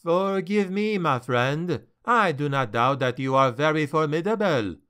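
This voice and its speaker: A man voicing an excitable male sea captain with a French accent and broken, emphatic English. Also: on the high side, a little slow, clear, resonant tone. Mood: persuasive.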